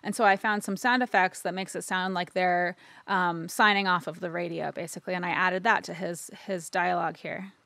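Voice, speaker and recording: A woman narrating a casual, informal software tutorial, explaining step by step and checking in as she goes. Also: on the low side, steady tone, brisk, vocal fry, hardly any pauses, slight background noise. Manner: informal, explanatory, frequent "right?" tags. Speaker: audio editing instructor.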